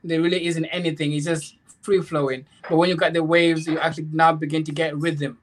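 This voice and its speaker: A man with a fairly high voice and a flat, even melody talks informally as a guest. He is earnest and rambling, circling back over his phrases as he explains. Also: brisk. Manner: earnest, rambling, repeats phrases, checks understanding. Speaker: guest, author. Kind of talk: informal spiritual discussion.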